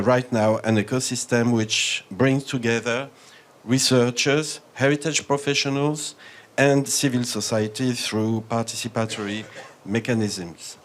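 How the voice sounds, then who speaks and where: French-accented man giving a formal talk. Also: medium pitch. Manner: measured, formal, with frequent hesitations. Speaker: panel speaker. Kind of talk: conference talk.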